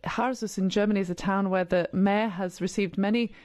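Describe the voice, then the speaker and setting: A woman interprets a speech into English in real time, at a middle pitch. She moves briskly through the phrases and pauses on short filler sounds between them. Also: steady tone, darkish tone. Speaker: conference interpreter. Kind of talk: simultaneous interpretation of debate speeches.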